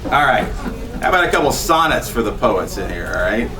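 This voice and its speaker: A man's voice: mid-range voice, big pitch swings, brisk, crowd noise. A man reading his poems at a bookstore event, chatting between them with many ums and self-deprecating laughs. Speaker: poet reading his work. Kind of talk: live poetry reading with casual asides. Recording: distant camera audio with room noise.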